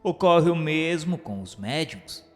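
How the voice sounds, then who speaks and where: A man's voice: on the high side, lively intonation, slow pace, faint music behind. A man reading scripted radio drama narration and posing questions in a formal, enunciated way.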